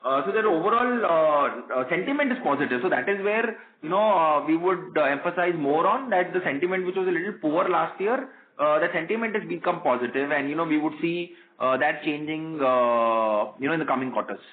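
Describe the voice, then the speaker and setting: A man's voice: a little high, animated, a little fast, few pauses. A man with an Indian accent giving explanatory answers as a company executive on an earnings call. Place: conference call. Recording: muffled, roomy conference phone line.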